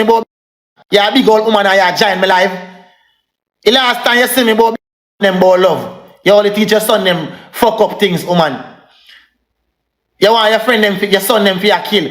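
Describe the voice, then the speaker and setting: In an echoey room, a young adult man with a Jamaican accent and a high, fairly bright voice angrily rants on his live stream. Over and over, he repeats himself and calls out to his viewers.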